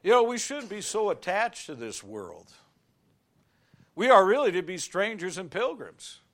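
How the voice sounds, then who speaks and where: A middle-aged man preaching a sermon from the pulpit. His high voice leaps up and down, rising to shouts on the key words. He delivers it in a folksy way, sprinkling in everyday stories. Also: sing-song, measured pace. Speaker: pastor.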